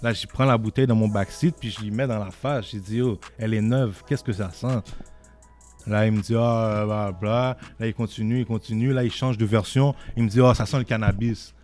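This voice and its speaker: A man's voice: fairly low pitch, a little fast, soft background music. A young man with a Québécois French accent, casually telling a story as a podcast guest and often asking "tu comprends?". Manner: animated, repeats "tu comprends?" often.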